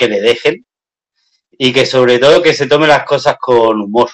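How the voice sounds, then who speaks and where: A Spanish accent with ordinary pitch variation. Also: man. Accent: Spanish (Spain). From Spain. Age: 40s. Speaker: DJ and blogger. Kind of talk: casual chat.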